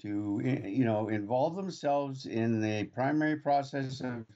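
A man's voice: medium pitch, unhurried, warm tone, lo-fi sound. A man co-hosting a radio talk show from a remote location, rambling with frequent restarts and fillers. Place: remote studio in Kamloops.

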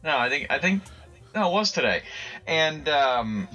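A man's voice: a little high, lively intonation, unhurried, bright, forceful tone, lo-fi sound, soft background music. A man co-hosting a comedy podcast, rambling through silly paranoid tangents with plenty of swearing and laughter. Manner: rambling, profane, laughs often. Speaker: podcast co-host. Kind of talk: casual comedic chat.

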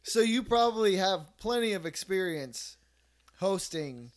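A man playing a deadpan skeptical interviewer. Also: high-pitched, unhurried. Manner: deadpan questioning, repeats himself. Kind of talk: improvised comedy sketch.

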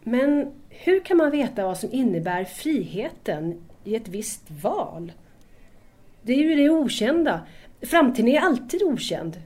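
Audio drama role: shy young female student played by an actress, curious and polite, slightly high voice, hesitant delivery. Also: very animated, a little mellow. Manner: tentative, questioning, polite. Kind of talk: audio drama dialogue acting.

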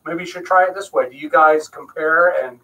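A man's voice: a little high, fairly quick, sharp tone, far from the mic, muffled recording. A man co-hosting an interview, asking questions and explaining terms for listeners. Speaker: co-host, doctor.

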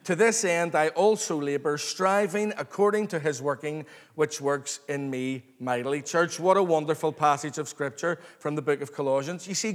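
A man preaching an expository sermon to a congregation, earnest, excited and emphatic, repeating phrases and calling for response. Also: a little high. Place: large reverberant room, live before a congregation. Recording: long hall reverb.

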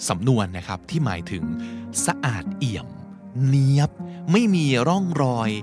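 Lively man teaching English phrases. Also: normal speed, over loud music. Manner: animated, acts out example lines with lively pitch swings. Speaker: podcast host teaching English vocabulary. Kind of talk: casual explanatory teaching.

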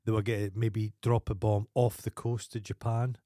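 A Scottish man with a lowish voice rambles through profane, meandering stories, now and then breaking into loud mock singing. His voice sits dry and close on a studio mic. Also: flat delivery, normal speed, no echo. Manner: rambling, sweary storytelling with wild sung outbursts. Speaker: podcast co-host. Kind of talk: casual profane banter.

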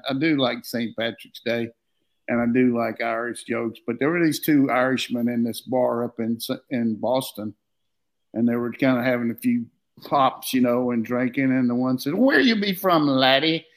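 An older man, a former coach, chatting casually about football in a rambling, folksy, joking way. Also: medium pitch. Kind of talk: casual sports talk.

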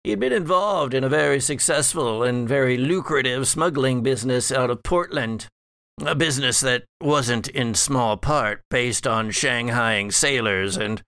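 A man's voice: mid-range voice, vocal fry, sharp tone, dry recording, clean studio sound, heavily acted. A man playing a sardonic undead family patriarch in a horror tabletop game, theatrical and drawling as he chuckles through old secrets.

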